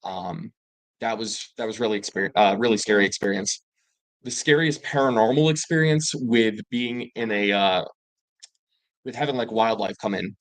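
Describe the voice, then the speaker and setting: A man with a lowish voice tells wilderness encounters in loose, rambling storytelling. He fills pauses and restarts often, and he jumps up in excitement when he quotes himself. The sound is dry and close. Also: no room sound, poor audio. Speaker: panel guest telling paranormal encounters. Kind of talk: casual storytelling.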